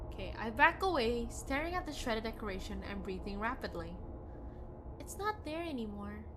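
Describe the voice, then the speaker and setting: A woman game streamer reading visual novel narration aloud in an expressive storytelling manner. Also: mid-range voice, noisy background. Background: game music.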